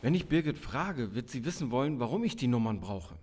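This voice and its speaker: Man acting as middle aged cop dad in a crime radio play, ordinary mid-pitched voice. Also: very animated, brisk, darkish tone, slightly rough. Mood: worried, subdued. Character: worried middle-aged male policeman and father. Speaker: police officer in drug squad. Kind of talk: audio drama dialogue.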